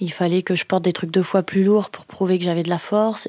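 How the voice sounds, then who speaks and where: A woman speaks at a medium pitch. Her dark, mellow tone stays monotone and flat. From France, Corrèze. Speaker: horse keeper and animal communicator. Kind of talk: casual chat. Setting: at home.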